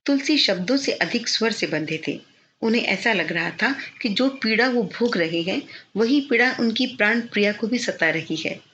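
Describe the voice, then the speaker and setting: A woman reading a novel aloud as an audiobook narrator, measured and expressive. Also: fairly high pitch, slight background noise. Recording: slightly dull lo-fi recording.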